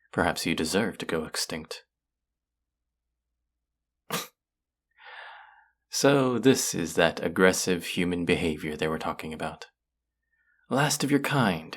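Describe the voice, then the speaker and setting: Man voicing a haughty, low, creaky alien buyer. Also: exaggerated voice. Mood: menacing, mocking. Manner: condescending, murmuring, deliberate, mocking. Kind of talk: scripted audio roleplay, addressing the listener.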